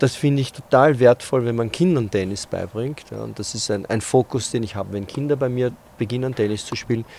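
A man's dark, mellow tone at medium pitch, fairly quick pace and ordinary pitch variation. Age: 50s. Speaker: tennis coach and career coach. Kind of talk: interview, casual chat.

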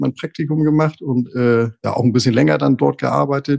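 Lively in intonation, a man races along at a very fast pace in a dry, close sound with no echo. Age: 40s. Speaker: managing director of family business. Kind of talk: interview.

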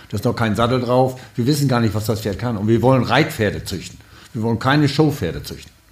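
Noticeable background noise runs behind a man's voice. He speaks at a medium pitch and a very fast pace with ordinary pitch variation. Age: 60s. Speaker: horse breeder and show jumper. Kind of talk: interview.

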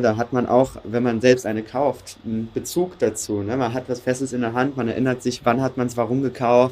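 A man speaks in a plain, everyday voice at a medium pitch. His pace is moderate. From northern Germany, Lower Saxony (Salzgitter). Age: 20s. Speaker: music producer and sound engineer. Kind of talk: interview, casual chat.

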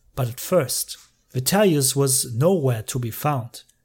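A man with a German accent speaks at a moderate pace with lively intonation, his voice fairly high and somewhat breathy, on a very clean recording with a silent background. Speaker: podcast host, history narrator. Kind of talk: scripted narration.

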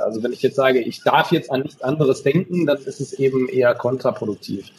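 His voice is somewhat breathy, moving at a moderate speed with ordinary changes in pitch. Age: 30s. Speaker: performance coach. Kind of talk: interview. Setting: video call. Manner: hesitant with frequent fillers.

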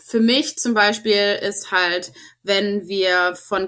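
Bright, sharp tone with fairly even intonation. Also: woman. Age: 20s. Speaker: diversity management worker and student. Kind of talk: interview.

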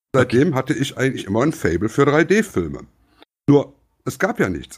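On a very clean recording with a silent background, a man speaks at a medium pitch with vocal fry. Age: 50s. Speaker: blogger and podcaster. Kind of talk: casual chat.

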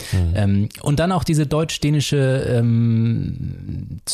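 A man talks at medium pitch with ordinary pitch variation and a dark, mellow, somewhat breathy tone. The recording is very clean, with a silent background. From northern Germany, Flensburg. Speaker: former pop musician. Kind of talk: casual interview.

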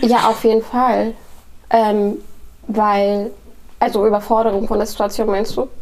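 A woman's fairly high voice has a monotone, flat intonation. She talks at a fairly slow pace with long, frequent pauses. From abroad, migrant to Germany. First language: not German (speaking German). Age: 20s. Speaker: journalist. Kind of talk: interview.

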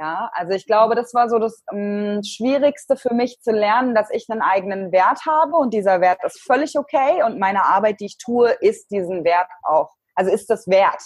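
A woman with a normal speaking voice talks at a moderate pace with hardly any pauses, her fairly high pitch carrying lively intonation. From Germany. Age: 30s. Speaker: virtual assistant. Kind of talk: interview.

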